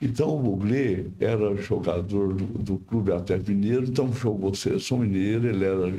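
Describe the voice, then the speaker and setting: A man's fairly low voice, dark and mellow in tone, with ordinary pitch variation and audible room echo. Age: 70s. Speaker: pediatrician. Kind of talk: interview conversation. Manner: halting, with repetitions.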